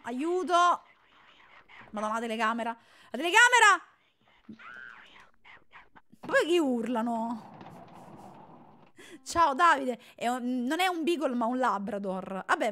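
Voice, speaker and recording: A young woman streaming herself playing a game, her voice sitting high and ringing bright. She chatters along in casual live commentary, bursting into loud, jokey outbursts whenever things go wrong. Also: a little hiss or hum. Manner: excitable, yells and jokes at the game.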